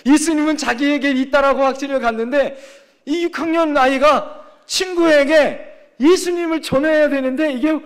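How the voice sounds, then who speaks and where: High-voiced male pastor preaching emphatically. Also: normal speed. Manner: emphatic, often prompts the congregation with "예?". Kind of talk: sermon.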